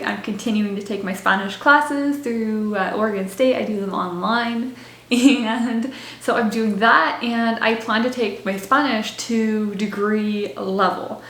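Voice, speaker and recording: A woman's voice: a little high, a bit bright, roomy sound. A young woman vlogging in casual talk to camera, bubbly and chatty, with little laughs between her words and lots of "like" fillers. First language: English. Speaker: language-learning vlogger.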